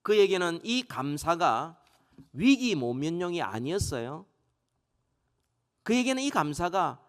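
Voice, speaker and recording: A male pastor preaching a sermon in a church, stressing key words by rising louder and slowing down. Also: a little high. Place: church sanctuary. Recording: long reverb of a church hall.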